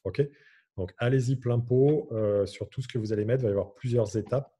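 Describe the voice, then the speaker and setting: Husky dark-voiced male workshop trainer. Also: mid-range voice, fairly quick. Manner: encouraging, instructive, steady. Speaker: coaching trainer leading a workshop. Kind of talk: online workshop facilitation.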